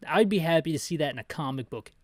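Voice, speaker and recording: A man's voice: fairly high pitch, animated, quick pace, no echo, studio quality. A man giving casual, rambling descriptive commentary on a video game, with jokey asides. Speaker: video game playthrough narrator.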